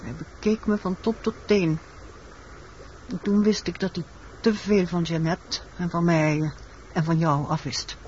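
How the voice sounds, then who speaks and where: A woman's voice: lowish voice, steady tone, measured pace, a little mellow, natural voice. Muffled recording, weary, secretive woman played by an actress. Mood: subdued, confiding. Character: weary, secretive woman confessing a wartime killing. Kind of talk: radio drama acting. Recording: muffled, noisy old radio recording.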